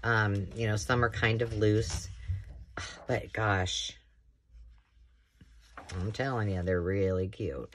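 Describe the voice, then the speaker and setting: A woman's voice: rumbling low, fairly even intonation, slow, pauses often, slight background noise. A woman hosting a casual show-and-tell of thrifted books, chatty and rambling with enthusiastic asides, filmed indoors at a craft table. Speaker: craft channel host.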